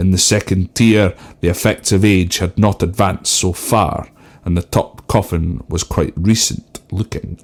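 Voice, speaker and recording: A man with a Scottish accent speaks fairly slowly in a very deep, low pitch with fairly even intonation. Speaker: history podcaster. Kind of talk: reading a newspaper passage aloud.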